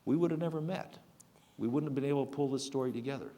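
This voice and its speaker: An older man giving a public talk, earnest and halting, with frequent restarts. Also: mid-range voice, dark tone. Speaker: speaker at a public program.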